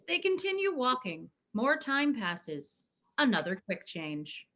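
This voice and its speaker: A woman narrates the stage directions for a play reading. Her voice is fairly high, and her intonation moves freely as she reads from the script. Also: huge pitch swings, slow pace, fairly bright tone.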